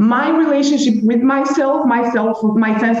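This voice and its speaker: High-pitched woman's voice with audible room echo. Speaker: podcast guest. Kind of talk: interview answer. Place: home room. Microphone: video call.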